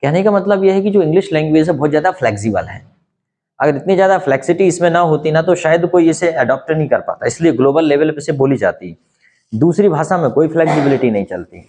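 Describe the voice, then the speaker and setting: A man whose first language is Hindi, teaching a spoken English lesson and explaining slowly with many rhetorical questions. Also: on the high side, lively intonation, a little mellow, slight background noise.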